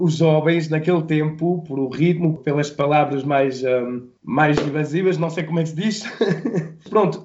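A man from Belgium speaking Portuguese with a French accent, his first language being French. His voice sits a bit high but sounds mellow and soft-edged. He talks haltingly, restarting words, and the audio is muffled and lo-fi. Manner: halting, restarts words, acts out quoted dialogue. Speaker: music producer guest. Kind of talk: radio interview.

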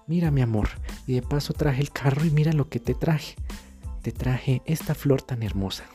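Mujer haciendo de novio complaciente y consentidor. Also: female voice, extremely low pitch, moderate pace, dark tone, faint music behind, pitched above the performer's own voice. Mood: doting. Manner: soothing, eager to please. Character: doting generous young boyfriend. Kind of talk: comedic sketch voicing.

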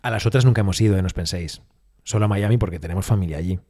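Mellow spain-accent guy on a podcast, kinda low, explains stuff, teasing. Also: rapid-fire. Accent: Spain Spanish. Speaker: podcast co-host. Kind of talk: casual chat. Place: small home studio with some echo.

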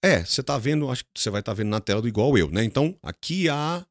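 A Brazilian man with a Brazilian Portuguese accent teaching an English lesson. He slips into Portuguese to explain, repeats words slowly, and asks his students questions that he then answers himself. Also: mid-range voice, sing-song, dry recording, clean studio sound.

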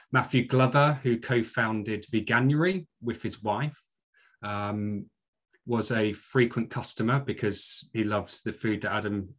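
A middle-aged man with a Scottish accent, speaking as a podcast guest in an earnest, hesitant way. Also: lowish voice. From Scotland. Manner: earnest, with frequent fillers and restarts. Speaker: guest, commercial director. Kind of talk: podcast interview.

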